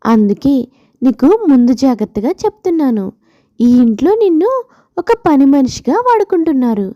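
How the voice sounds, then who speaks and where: A high, swooping voice for a bossy storybook friend, acted by a woman narrator. She is insistent and goading, a scheming divorcee. The recording is dull and lo-fi. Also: lively intonation, moderate pace, no echo. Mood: insistent warning.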